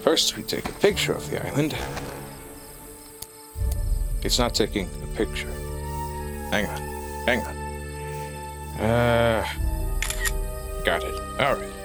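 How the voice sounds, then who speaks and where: A man playing an older, wily pilot and treasure hunter in an adventure audio drama, folksy, world-weary and unhurried. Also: mid-range voice, expressive, over music. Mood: fumbling.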